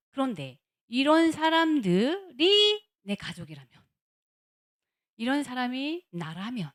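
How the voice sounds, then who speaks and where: Female church lecturer, slightly high voice, very expressive delivery, acts out quotes and asks the audience questions. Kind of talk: church lecture on counseling psychology.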